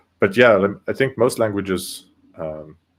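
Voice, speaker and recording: A man in a South African accent talks at a fairly slow pace on a very clean recording with a silent background. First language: Afrikaans. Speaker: study group member. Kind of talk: casual discussion. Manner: halting.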